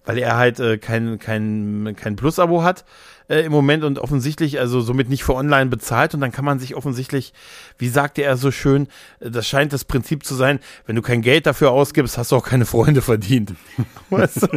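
A man's voice: medium pitch, normal speed, dry recording. A man chatting casually as a podcast host, rambling and jokey, often interrupting himself. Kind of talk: casual chat about games and films.

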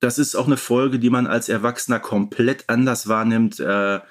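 A man talks as a podcast co-host. His voice sits at an average male pitch. He explains in a casual but informed way, stressing points as he goes. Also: steady tone, moderate pace. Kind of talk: casual, informed fan discussion.

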